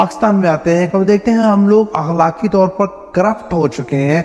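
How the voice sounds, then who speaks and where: Noticeable background noise runs under the voice. Its pitch varies in an ordinary way. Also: man. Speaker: Islamic preacher giving a religious talk. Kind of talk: religious sermon (bayan) in Urdu.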